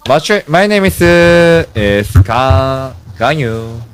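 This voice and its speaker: A man from South Korea with a Korean accent, chatting casually in halting, playful English. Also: medium pitch, lively intonation, noisy background. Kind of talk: casual video chat.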